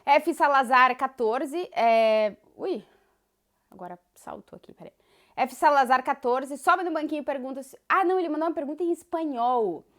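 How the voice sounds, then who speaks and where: Chatty gaúcha woman, high voice. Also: normal speed. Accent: Gaúcho Brazilian Portuguese. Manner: chatty and thoughtful, many fillers like "né" and "assim". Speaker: sports journalist answering viewer questions. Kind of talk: casual Q&A vlog.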